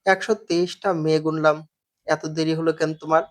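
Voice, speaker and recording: A man voicing a calm, persistent young male suitor who speaks in a deadpan, unbothered way. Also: a little high, moderate pace, natural voice.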